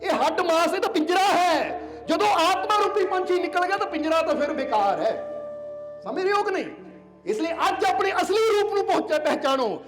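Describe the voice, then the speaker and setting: A man's voice: very high voice, expressive, brisk. A man preaching a devotional sermon at a village gathering, often asking his listeners questions and having them repeat lines after him. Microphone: collar mic. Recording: clear music behind the speech.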